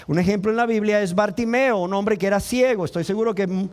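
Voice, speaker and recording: A man preaches from the pulpit in a high-pitched voice. He delivers his sermon with passion and urgency, often taking on the voices of the people in the story he tells. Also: quick pace, darkish tone. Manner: impassioned preaching, acting out voices of the crowd and the blind man. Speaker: pastor.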